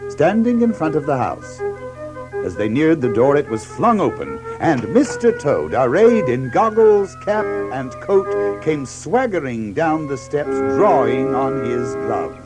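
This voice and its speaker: A man's voice: fairly high pitch, big pitch swings, a little slow, over music. A man narrating a children's story as a scripted storyteller in an audio drama.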